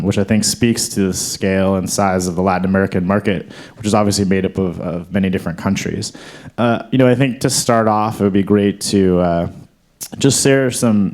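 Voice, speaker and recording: Moderator, man with a very low voice, measured questions. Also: darkish tone. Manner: measured, with fillers while framing questions. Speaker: panel moderator. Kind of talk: moderating a conference panel.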